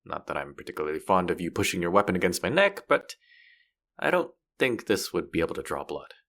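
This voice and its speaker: Man acting a low, gravelly, cocky fantasy rogue. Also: big pitch swings, brisk, a bit bright, exaggerated voice. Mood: taunting. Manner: teasing, foul-mouthed, sardonic banter. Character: cocky, bratty young male fantasy rogue, street rat. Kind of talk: character roleplay audio drama spoken to the listener.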